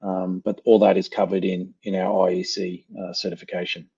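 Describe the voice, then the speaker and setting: Husky Australian man on a webinar call. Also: sits low, flat delivery, normal speed, darkish tone, lo-fi sound. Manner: frequent ums and repeated words, explanatory. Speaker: company presenter. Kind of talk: webinar presentation and Q&A answers.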